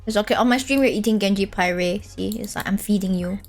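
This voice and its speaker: A woman's voice: medium pitch, fast, faint music behind. A woman streamer chatting casually and teasing her guest while reading out chat messages. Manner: playful teasing, lively singsong delivery. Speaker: streamer host.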